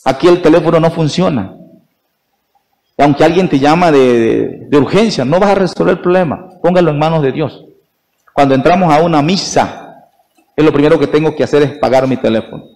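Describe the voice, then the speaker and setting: A man's voice: fairly high pitch, fairly quick, a little mellow. A man preaching a sermon at Mass as a priest, emphatic, asking the congregation questions and answering them himself. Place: church. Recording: long church reverb.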